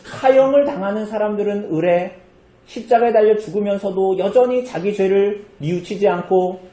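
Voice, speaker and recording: A man's voice: high-pitched, normal speed, warm tone, roomy sound. A man pastor preaching a sermon in a church, telling the story with animation and putting questions to the congregation.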